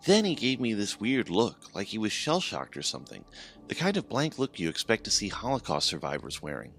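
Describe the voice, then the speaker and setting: A man's voice: on the low side, wildly swooping pitch, brisk, creaky, fairly bright tone. A man narrating a scripted horror story in a dramatic way, swelling and dropping his voice for suspense.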